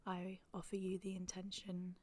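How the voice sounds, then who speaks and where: A woman leading a guided meditation in a soft, breathy, near-whispered voice, calm and gentle, with long pauses. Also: fairly low pitch. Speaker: yoga nidra meditation guide.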